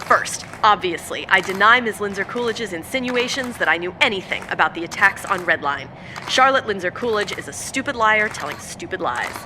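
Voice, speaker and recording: A woman's voice: mid-range voice, animated, a little fast, noisy background, natural voice. A woman playing a combative, self-righteous politician running for mayor, speaking in pompous, cutting speeches in an audio drama. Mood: defiant, righteous. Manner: forceful, pompous public speechmaking with cutting insults.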